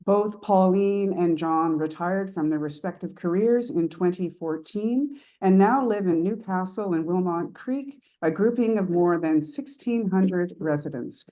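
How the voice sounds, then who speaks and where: Low, mellow-voiced woman giving a formal introduction. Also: measured pace, few pauses, rough recording. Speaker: speaker introducing a club guest. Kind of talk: prepared introduction speech at a meeting.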